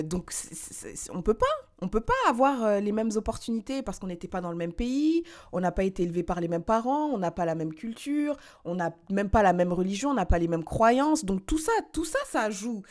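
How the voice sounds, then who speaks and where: Lively French woman co-hosting a podcast. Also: medium pitch. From France. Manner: lively, repeats herself while building a point. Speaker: podcast co-host. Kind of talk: casual chat, mixing French and English.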